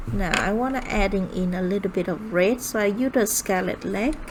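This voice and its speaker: A woman speaks with a non-native accent at a fairly slow pace, with ordinary pitch variation. Noticeable background noise sits behind her. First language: not English. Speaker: colouring artist and YouTuber. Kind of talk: tutorial voiceover. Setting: recorded voiceover. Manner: hesitant, with fillers.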